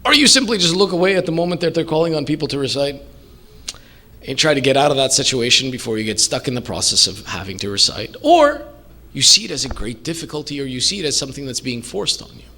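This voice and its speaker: A man's voice: medium pitch, big pitch swings, quick pace, pushed and bright. A man preaching a religious sermon in English, earnest and emphatic, posing rhetorical questions and repeating key phrases. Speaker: preacher, sheikh.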